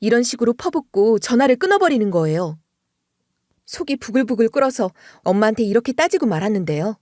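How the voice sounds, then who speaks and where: A woman's voice: a little high, very animated, fairly quick, warm tone, no room sound, clean studio sound. Confiding woman narrating a story. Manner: conversational, confiding. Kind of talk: first-person storytelling narration.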